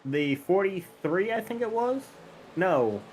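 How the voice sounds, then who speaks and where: Man calling a sim race, relaxed. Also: sits high, slow, slight background noise. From northern United States. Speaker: race commentator. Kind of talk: casual play-by-play commentary.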